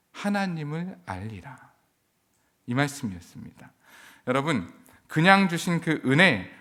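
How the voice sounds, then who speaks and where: A man in his thirties preaching a sermon as pastor, swelling with emotion and dropping to hushed tones. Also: a little high.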